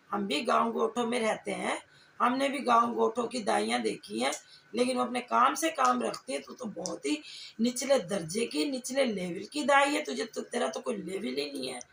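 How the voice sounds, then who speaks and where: A woman's slightly high, gravelly, somewhat bright voice carries her confrontational reactions as a vlogger, taunting and scolding with pointed rhetorical questions. There's faint background noise and an echoey room.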